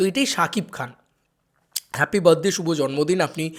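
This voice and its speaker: A man with a fairly high voice speaks in an animated tone, with ordinary pitch variation. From West Bengal, India. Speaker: YouTuber film commentator. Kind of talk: video commentary.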